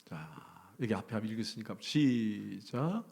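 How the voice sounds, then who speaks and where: A man preaching a sermon as pastor. He questions the congregation directly and acts out their grumbling voices, dropping to hushed whispers and rising to loud emphasis. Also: on the low side, sing-song, unhurried, creaky, slightly rough.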